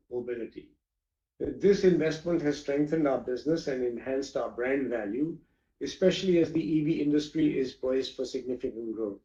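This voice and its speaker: A man delivers a formal scripted address as a company chairperson. His voice is mellow and middle-pitched, and he reads in a measured way. The sound is dull and echoey, like a video conference from a bare room. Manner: measured, formal, reading from prepared text.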